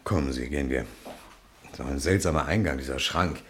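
An actor playing a commanding, inquisitive police inspector in a radio crime drama, halting between brisk orders and polite asides. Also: male voice, rumbling low, fairly bright tone, slight background noise. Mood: musing, courteous. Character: male police inspector, commanding, inquisitive, courteous but impatient.

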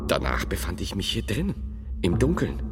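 An actor playing a devout medieval thinker in a German audio drama, solemn, declamatory and questioning. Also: male voice, deep voice, huge pitch swings, normal speed, soft background music. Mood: solemn recollection.

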